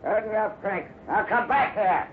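An actor playing a cold, scheming villainous colonel in a 1950s radio drama, speaking with menace. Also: male voice, high voice, moderate pace, music in the background, close to an everyday voice. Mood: cruel. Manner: menacing, sneering, shouts in a struggle. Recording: tinny old radio broadcast with hiss.

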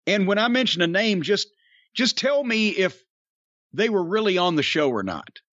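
A man's voice: sits high, sing-song, normal speed, a bit bright, no echo, lo-fi sound. A middle-aged man, hosting a wrestling podcast, drawling and storytelling as he quizzes his co-host. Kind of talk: casual wrestling podcast chat.

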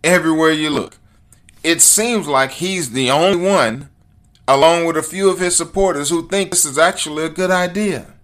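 A man's voice: on the high side, moderate pace, fairly bright tone. A man hosting an opinion talk show, speaking emphatically and straight to his listeners. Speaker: podcast host.

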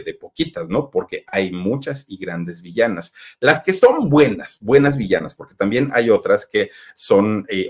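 A man with a Mexican accent hosting a channel, telling show-business stories in an animated, chatty way and repeating words for emphasis. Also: on the low side. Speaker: channel host. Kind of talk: storytelling commentary.

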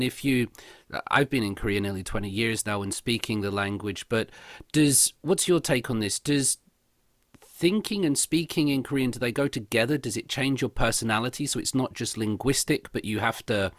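A man hosting a casual interview, asking long, reflective questions and agreeing warmly with his guest. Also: medium pitch, moderate pace, no echo, studio quality. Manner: reflective, asks long questions with restarts and backchannels. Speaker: interview host.

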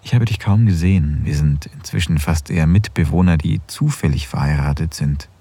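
A man's voice: extremely low pitch, brisk, breathy edge, exaggerated voice. A man playing a tender, longing husband. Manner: soft, intimate, often near a whisper. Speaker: husband in an erotic audio drama. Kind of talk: intimate second-person audio drama.

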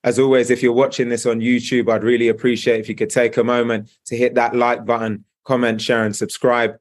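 A man's voice: medium pitch, little pitch movement, brisk. A man hosting a podcast, opening the show and questioning his guest in a polished, upbeat delivery. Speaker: podcast host.

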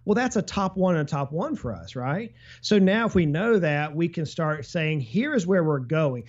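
A man on a business podcast, explaining financial planning with lively travel analogies and imagined client quotes. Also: a little high, moderate pace, lo-fi sound. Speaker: financial advisor guest. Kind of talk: casual business podcast talk.

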